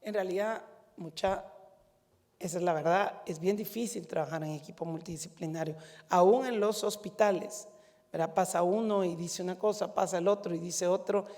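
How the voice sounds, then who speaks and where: A woman's voice: on the low side, mellow. Middle-aged woman, Guatemalan Spanish accent, physician lecturing, conversational storytelling, rhetorical questions, reverberant hall. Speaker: physician lecturing medical students. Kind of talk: conference talk.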